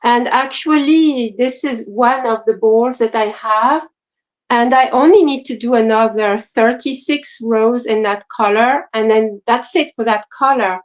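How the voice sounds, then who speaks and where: French-accented woman, slow soft chat about yarn, fairly high voice, dull lo-fi stream sound. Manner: soft, hesitant and apologetic, many fillers. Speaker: co-host. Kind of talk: casual livestream chat about crochet.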